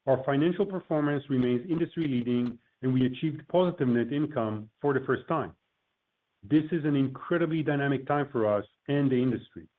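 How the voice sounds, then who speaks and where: Male executive, medium pitch, formal scripted corporate delivery, narrow telephone-conference audio. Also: a little fast. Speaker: company executive presenting on an earnings call. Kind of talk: prepared corporate remarks, read from a script. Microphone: conference call line. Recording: tinny phone-line conference call audio.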